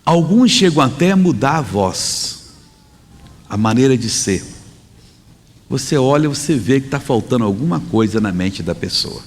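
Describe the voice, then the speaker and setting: A male preacher delivers a sermon in a chatty, emphatic style, his pitch rising and falling with lively swings. His mid-range voice rings out with a long reverb tail, as in a large church hall. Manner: conversational, emphatic, self-correcting.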